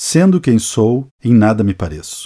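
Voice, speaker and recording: Recorded very cleanly against a silent background, a man talks at a fairly slow pace. His voice is medium in pitch with a dark, mellow tone and lively intonation. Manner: animated, affectionate.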